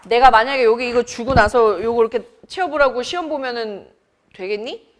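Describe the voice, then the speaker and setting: A woman's voice: a little high, brisk. A young adult woman from Seoul teaching grammar in a classroom, chatty and teasing as she quizzes her students. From Seoul, South Korea. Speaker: academy Korean teacher. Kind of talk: classroom lecture.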